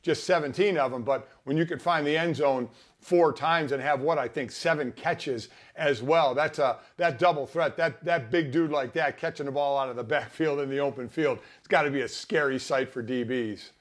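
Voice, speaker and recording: A man's voice: medium pitch, normal speed. An American man giving conversational sports commentary as a co-host and analyst on a talk show.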